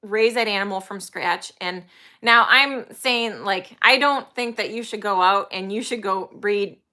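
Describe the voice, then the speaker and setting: Talking to camera in a casual vlog, this forties-aged horse trainer and channel host rambles about her animals with lots of ums. She sounds enthusiastic and emphatic, her mid-range voice unhurried and sharp-toned.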